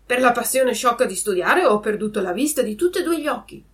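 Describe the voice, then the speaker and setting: A woman's voice: fairly high pitch, animated, fairly quick, a bit bright, recorded from a distance, pitched above the performer's own voice. A woman voicing a scheming male cat pretending to be blind. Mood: smug.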